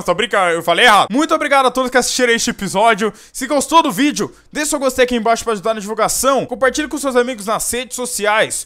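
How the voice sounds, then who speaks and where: A young man with a Brazilian Portuguese accent doing joking, excitable gameplay commentary as a let's play host. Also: sits high. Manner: excitable, joking, prone to sudden outbursts.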